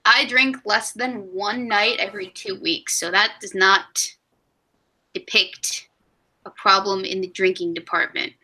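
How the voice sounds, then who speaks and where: Young woman, twenties, stream host, giggly, rambling, clear bright voice. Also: mid-range voice, steady tone, unhurried, poor audio. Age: 20s. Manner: giggly, rambling, self-mocking. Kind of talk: casual live stream chat.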